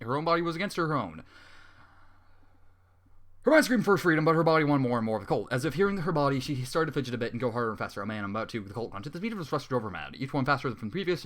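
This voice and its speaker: Fast, exasperated male story reader. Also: medium pitch, fairly bright tone. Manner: fast, exasperated, swears openly. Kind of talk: dramatic reading with exasperated commentary.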